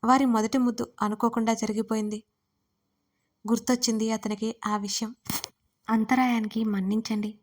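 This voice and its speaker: A woman's voice: fairly high pitch, level tone, normal speed, long pauses. Woman narrating a Telugu audio story. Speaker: storyteller and channel host.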